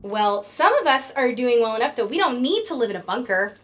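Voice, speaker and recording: An actress playing a combative, exasperated young daughter in a comedy audio drama, sarcastic, defensive and insistent. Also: female voice, on the high side, sing-song, fairly quick, a bit bright. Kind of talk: post-apocalyptic comedy audio drama acting.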